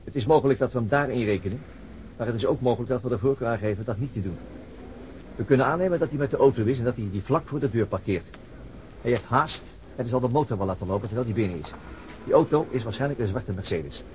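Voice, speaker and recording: An actor playing a weary, matter-of-fact senior detective, dry and methodical, in a radio drama. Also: male voice, medium pitch, lively intonation, quick pace, darkish tone, lightly acted. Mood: instructing. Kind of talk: Dutch radio drama acting. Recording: noisy old radio drama recording.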